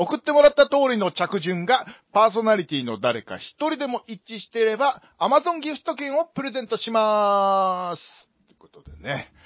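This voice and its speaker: His voice is high-pitched, and a man speaks at a moderate pace. Both his pitch and his loudness swing widely. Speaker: podcast host. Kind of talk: casual chat. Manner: speaking louder than usual.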